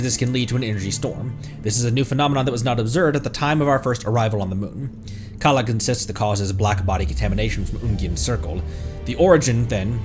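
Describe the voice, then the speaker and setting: A man streaming a video game, commenting casually and reading in-game text aloud. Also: lowish voice. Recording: music behind the voice. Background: video game music.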